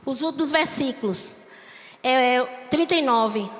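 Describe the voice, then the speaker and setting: A woman missionary, preaching in a church with a repetitive, impassioned cadence that rises to shouts. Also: high-pitched, a little slow, a little hiss or hum. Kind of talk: Pentecostal-style sermon. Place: church sanctuary. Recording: long church hall reverb.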